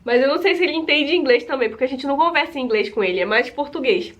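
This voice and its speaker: A chatty young woman from Brazil talks straight to camera in a high, bright voice. She keeps calling out to her viewers in a casual, easygoing chat. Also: lively intonation, rapid-fire, muffled recording. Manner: chatty, repeats "gente" often. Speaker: vlogger.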